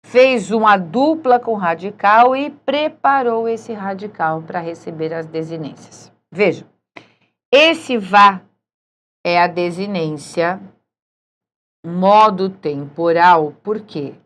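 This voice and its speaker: A woman's voice: mid-range voice, takes it slowly, fairly bright tone. A woman teaching a recorded grammar lesson, patient and often checking in with her students. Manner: patient, checks in with frequent "certo?".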